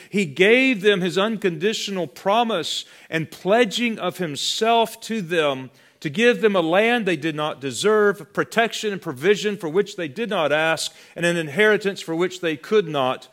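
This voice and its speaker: A man preaching a sermon, slow and deliberate, letting his voice drop to a hush on key words. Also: sits high. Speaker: pastor.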